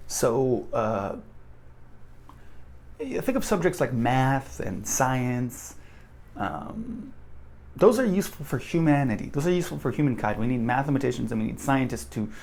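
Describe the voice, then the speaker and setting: Animated gravelly man. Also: on the high side. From United States. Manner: animated, rambling, many restarts and fillers. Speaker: language vlogger. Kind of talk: casual monologue to camera.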